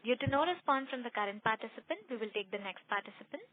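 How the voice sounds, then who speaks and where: A woman's voice: on the high side, expressive, fast talker. A woman moderating a conference call as operator, in a formal, polite, procedural way. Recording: thin phone-like conference line.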